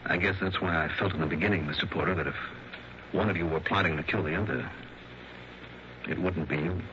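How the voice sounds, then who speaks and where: An actor playing a hard-boiled insurance investigator, narrating in terse, dry first person in a 1960s radio drama. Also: male voice, low voice, brisk, sharp tone, slight background noise. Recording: dull lo-fi vintage radio broadcast.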